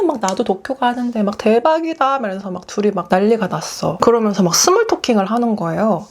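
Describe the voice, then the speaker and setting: A young woman vlogger chatting through a story while doing her makeup, acting out what other people said. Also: medium pitch. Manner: animated storytelling, acting out quoted voices. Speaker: beauty vlogger.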